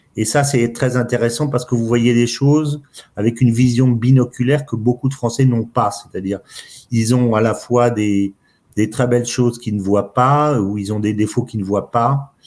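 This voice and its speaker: Here a man speaks at a medium pitch and a moderate pace. His intonation stays fairly even. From grew up abroad in Africa, Spain (French expatriate). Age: 60s. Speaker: author and geopolitics commentator. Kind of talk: interview. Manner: hesitant, many fillers.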